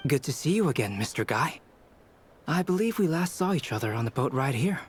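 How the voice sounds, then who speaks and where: An actor playing a gentle, earnest young man with a polite, precise manner in a video game. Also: mid-range voice, big pitch swings, a little fast, a little hiss or hum, natural voice. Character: gentle, polite, earnest young inventive being in human form.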